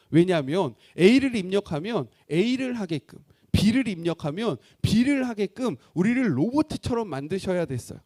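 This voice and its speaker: Animated high-voiced male pastor preaching. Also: no room sound, studio quality. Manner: conversational, animated preaching with acted quotes. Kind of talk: sermon.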